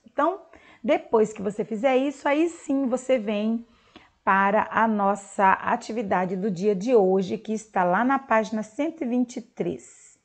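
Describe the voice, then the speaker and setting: A woman teaching a recorded lesson to young children in Brazilian Portuguese, speaking clearly and drawing out words for them. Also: mid-range voice. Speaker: primary school teacher.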